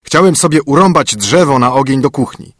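Storybook dwarf, male, tiny, bearded, thin high voice, huffy and loud, put on by a male narrator. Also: expressive, a little fast, dry recording, studio quality. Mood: scolding. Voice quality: thin, shrill voice. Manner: scolding, snapping, whining. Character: grumpy ungrateful little bearded male dwarf.

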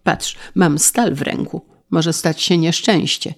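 A woman's voice: deep voice, fairly even intonation, takes it slowly, vocal fry, heavily acted. A woman voicing a desperate young man who pleads with his sister in an impassioned, trembling way, in a dramatized reading.

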